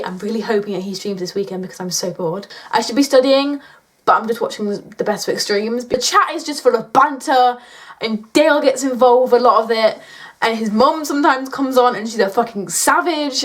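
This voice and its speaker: Brit teen girl, kinda high voice, chatty vlog q&a, blunt and jokey, swears loads. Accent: British. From United Kingdom. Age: late teens. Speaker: YouTuber answering viewer questions.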